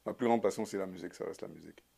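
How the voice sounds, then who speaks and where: Easygoing young man with a low voice. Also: racing, gravelly, mellow, breathy edge. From Sherbrooke, Canada. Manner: easygoing, laughs lightly. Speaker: guest musician. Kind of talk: casual interview answers.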